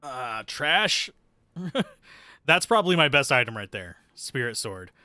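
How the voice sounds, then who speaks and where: A man's voice: medium pitch, very animated, a little slow, bright, forceful tone, dry recording, clean studio sound. A man giving casual, sweary live gameplay commentary and chatting with viewers in a sardonic, self-deprecating way. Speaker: game streamer, host.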